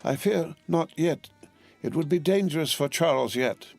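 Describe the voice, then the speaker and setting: A man voicing a gentle older father and doctor, soothing and measured. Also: on the high side, vocal fry, soft background music, pitched above the performer's own voice.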